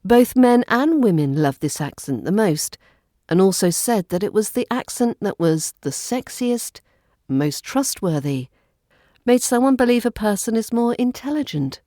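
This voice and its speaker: A woman's voice: medium pitch, big pitch swings, unhurried, dark tone, dry recording, studio quality. A woman with a modern British RP accent giving a scripted English lesson, enunciating carefully for learners. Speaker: English pronunciation teacher.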